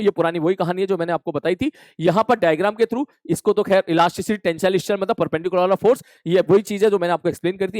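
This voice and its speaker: Male physics teacher, high voice, energetic revision lecture, dry close sound. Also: no echo. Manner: energetic, addresses students as "bhai sahab"; answers his own questions in the students' voice.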